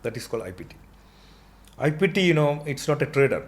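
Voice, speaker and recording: A man's voice: mid-range voice, sing-song, fast. Middle-aged Indian-accented man explaining things. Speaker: entrepreneur interview guest. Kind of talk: conversational podcast interview.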